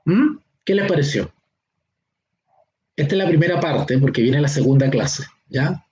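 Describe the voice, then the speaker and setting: A man with a Chilean accent, his voice a little higher than most men's, teaches a Bible seminar in a slow, deliberate way. He drags out the words that matter and keeps asking if everyone is following. A faint hiss sits under his voice. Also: expressive, a little mellow, dull audio. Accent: Chilean Spanish. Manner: explains slowly, stretching key words, with frequent checks like "¿ya?". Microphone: online class or teleconference.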